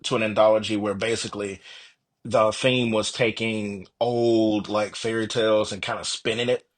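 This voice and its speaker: A man's voice: lowish voice, flat delivery, normal speed. A man speaking as an author guest on a podcast, talking casually in an upbeat, self-deprecating way. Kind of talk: casual conversational interview.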